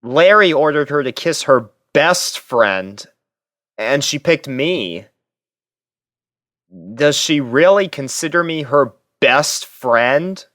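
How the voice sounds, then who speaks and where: Guy reading fanfic in first person, kinda high voice, slow n expressive, dry recording. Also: no room sound. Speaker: narrator. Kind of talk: first-person dramatic fan fiction reading.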